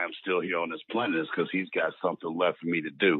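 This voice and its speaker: This is a man speaking. He has an American accent. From US Midwest, Detroit west side. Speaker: leadership strategist and recovery coach. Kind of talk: interview testimony. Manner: animated.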